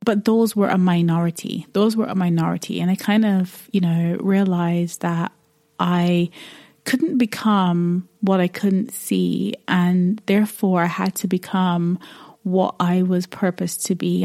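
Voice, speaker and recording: A woman's voice: on the low side, dark tone, no echo, studio quality. A woman from Barbados, probably in her thirties, hosting a podcast and talking about her life in an earnest, reflective way, often repeating words as she thinks. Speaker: podcast host.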